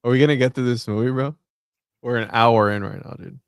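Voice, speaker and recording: A man's voice: mid-range voice, fairly quick, vocal fry, clear, resonant tone, no echo, studio quality. A man co-hosting a podcast on a video call, laid-back and teasing in casual chat. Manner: laid-back, teasing, says bro and dude. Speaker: podcast co-host.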